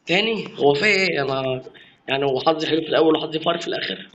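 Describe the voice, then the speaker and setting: A man's voice: on the high side, very fast, fairly bright tone. A man with an Egyptian accent giving casual, jokey commentary over gameplay, exclaiming often. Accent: Egyptian Arabic. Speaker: gaming youtuber. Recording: dull lo-fi sound with faint noise.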